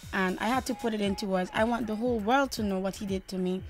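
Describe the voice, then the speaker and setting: A woman's voice: medium pitch, fast. A young woman from Trinidad and Tobago, a singer answering interview questions confidently, often saying "you know". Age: young adult.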